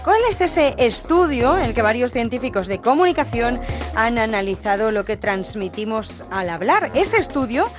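Lively woman radio presenter. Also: a little high, normal speed, music in the background. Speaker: radio host.

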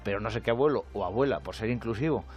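A man from Spain with a Spanish accent, delivering an animated, jokey comic monologue on a radio show. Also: lowish voice, fast, faint music behind. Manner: animated, jokey, acts out quoted voices. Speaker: comedian with a radio segment. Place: radio studio.

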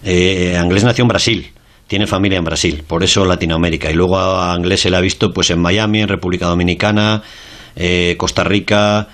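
Very deep voiced guy explaining a case on the radio, lots of ehs. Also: fairly even intonation, a little fast, a bit bright. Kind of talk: radio discussion.

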